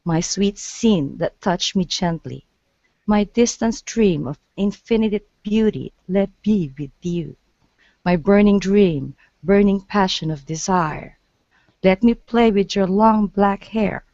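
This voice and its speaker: A woman's voice: mid-range voice, dark tone, dry recording. Woman reading her poem, dull line. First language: Portuguese. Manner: earnest, halting, restarts words. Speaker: guest poet.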